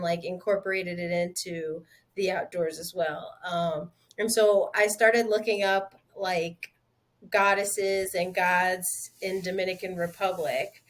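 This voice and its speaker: A woman speaking as a guest on a podcast interview, animated and loose, with plenty of "like" fillers and quick restarts. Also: mid-range voice. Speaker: interview guest, outdoor group founder. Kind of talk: casual podcast conversation.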